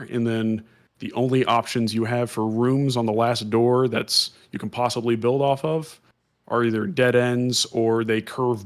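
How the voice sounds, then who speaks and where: A man co-hosting a podcast, explaining things casually at length with many "um"s and restarts. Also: mid-range voice. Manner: rambling, explanatory, filler-heavy. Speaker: podcast co-host. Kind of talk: casual chat.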